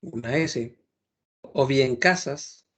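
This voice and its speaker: A man teaching a French lesson, explaining patiently and repeating words slowly to model pronunciation. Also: medium pitch, fairly bright tone, husky.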